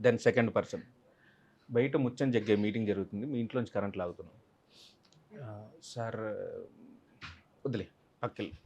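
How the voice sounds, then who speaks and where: A man's voice: lowish voice, a little fast, pauses often, darkish tone, highs cut off. A man, an actor being interviewed, telling a film-set story animatedly and acting out other people's lines. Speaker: actor guest.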